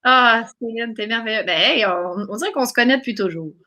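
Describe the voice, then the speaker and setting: A woman's voice: on the high side, animated, brisk, sharp tone, dull audio. A woman with a Québécois accent, a guest musician chatting in an interview, effusive and full of hesitations and restarts. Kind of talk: casual interview chat.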